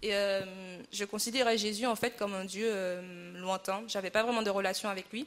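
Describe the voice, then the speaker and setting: At a moderate pace with hardly any pauses, a woman talks in a plain, everyday voice at medium pitch with fairly even intonation. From Guadeloupe. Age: 20s. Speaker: student. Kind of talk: testimony. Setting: church.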